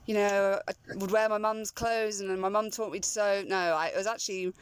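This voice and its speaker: A woman's voice: medium pitch, flat delivery, fairly quick, smooth. A young woman, a fashion label founder, talking as a guest in a casual chat with many ums and likes. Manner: chatty, laughs often, many ums and likes. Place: inside a car. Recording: road noise inside a car.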